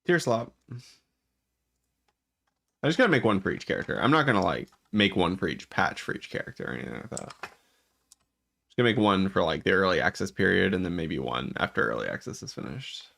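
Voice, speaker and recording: A man with a deep, gravelly voice, rough and worn from being sick. He rambles through card rankings for his channel, stopping and restarting his sentences. His pitch still swings widely as he talks. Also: very animated, brisk, long pauses, a bit bright. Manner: rambling, restarts often, thinks aloud. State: voice worn from illness, occasional coughs. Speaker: gaming YouTuber. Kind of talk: casual commentary while ranking game cards.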